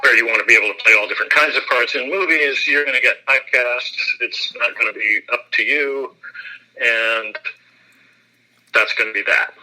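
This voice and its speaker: Bright-voiced actor chatting, laughing easily. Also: male voice, medium pitch, normal speed, low-quality recording. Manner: chatty, self-deprecating, laughs often. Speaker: actor, interview guest. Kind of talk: relaxed interview chat.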